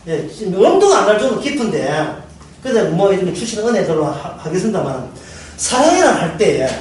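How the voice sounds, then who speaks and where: A man preaching a sermon as pastor, lively, often laughing and asking his listeners questions. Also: high-pitched, far from the mic. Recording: very echoey hall, mic from afar, faint noise.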